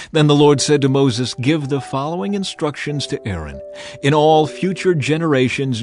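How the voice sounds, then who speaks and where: A man narrating scripture as a dramatized audio reading, solemn, measured and authoritative in his delivery. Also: mid-range voice, darkish tone. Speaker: Bible narrator.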